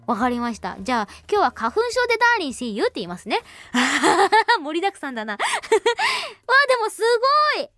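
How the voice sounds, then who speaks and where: A woman with a very high, lively voice hosts a casual radio show, reading listener mail and chatting in a bubbly way with frequent laughs. Her voice swoops up and down. The sound is dry and close, with no room echo. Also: quick pace, faint music behind.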